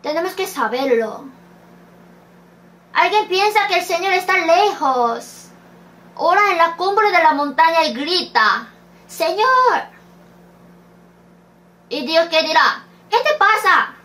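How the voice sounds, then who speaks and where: Woman giving a sermon, high voice, talks real slow, reads verses and asks questions back. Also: expressive, fairly bright tone. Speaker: preacher.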